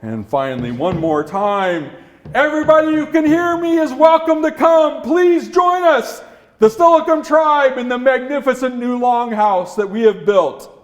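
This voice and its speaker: A man voicing a proud male tribal leader who calls out and proclaims loudly. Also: high-pitched, lively intonation, a little slow, roomy sound, voice pushed up. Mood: proclaiming.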